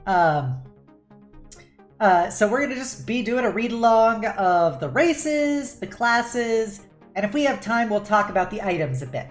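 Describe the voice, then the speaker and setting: Girl streamer just chatting, playful n giggly, normal pitch, bit of music in the background. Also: animated, unhurried. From United States. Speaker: live streamer. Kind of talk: casual livestream chat with viewers. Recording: music playing behind the voice.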